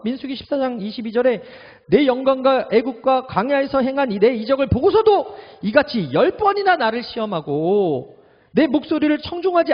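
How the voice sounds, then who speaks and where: A male pastor preaching a sermon in a church, moving between soft confiding talk and loud urgent preaching. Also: very high-pitched, long reverb tail, lo-fi sound. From Korea. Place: church sanctuary.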